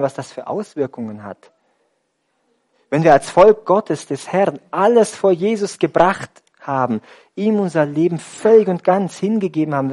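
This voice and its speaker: A man preaching a sermon, asking the congregation rhetorical questions and swinging between loud, emphatic passages and hushed, near-whispered lines. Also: mid-range voice.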